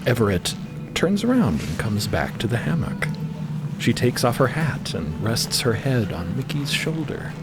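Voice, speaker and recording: A man's voice: medium pitch, very animated, unhurried, low-quality recording. A man narrating a scripted audio drama. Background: loud background music.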